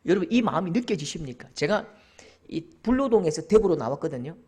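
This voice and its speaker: A middle-aged man, preaching a sermon as pastor and acting out dialogue with voices that shift between soft and loud. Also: fairly high pitch, big pitch swings, fast talker, slightly rough.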